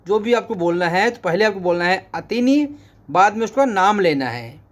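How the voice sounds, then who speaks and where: A man teaching a language lesson who repeats each phrase and says the Arabic words louder and higher. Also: animated, moderate pace.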